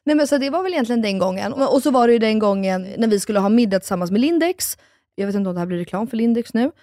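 A woman co-hosting a podcast in casual chat, telling stories in a lively way and acting out what people said. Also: fairly high pitch, no room sound, clean studio sound. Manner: animated storytelling, acts out quoted exchanges. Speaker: podcast co-host. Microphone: studio microphone.

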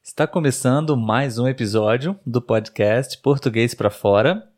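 A man's voice: mid-range voice, expressive, unhurried, darkish tone. Brazilian man hosting a casual podcast. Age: 30s. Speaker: podcast host and Portuguese tutor. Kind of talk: casual chat for language learners.

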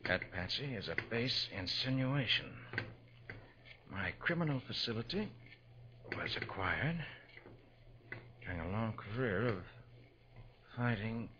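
An actor playing a confident, shrewd American private detective, precise and authoritative, in a 1940s radio crime drama. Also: male voice, lowish voice, very animated, unhurried, long pauses, sharp tone, a little hiss or hum, exaggerated voice. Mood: wry, focused. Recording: dull 1940s radio recording.

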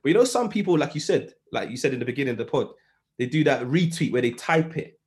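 A man with an urban London roadman accent, chatting as a podcast guest and telling stories in animated, slangy fashion. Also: mid-range voice, fast. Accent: London, urban street slang. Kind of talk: casual podcast chat.

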